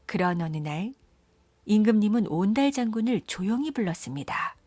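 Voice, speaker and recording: Woman storyteller for children's folktales, gentle and measured, dry studio sound. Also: mid-range voice, animated, breathy edge, no echo. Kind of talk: storybook narration.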